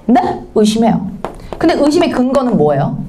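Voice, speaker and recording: A woman teaching Korean literature, reading a classic novel aloud and explaining it, quizzing students with quick questions and answering them herself. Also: a little high, very animated, background noise. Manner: switches between reading aloud and casual explanation.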